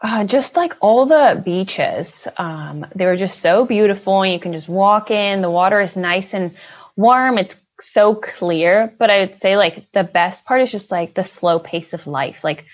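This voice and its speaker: A young woman from the Netherlands talks easily as a guest, her voice sitting at an ordinary middle pitch. She strings her thoughts together with lots of fillers and quick laughs. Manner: chatty, many fillers and laughs. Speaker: guest, financial advisor. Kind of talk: casual interview chat.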